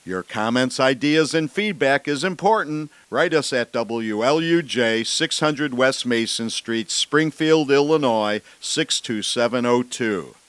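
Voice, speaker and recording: A man reading a scripted station announcement in a measured, deliberate way. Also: mid-range voice, animated, a bit bright, clean tone, dry recording.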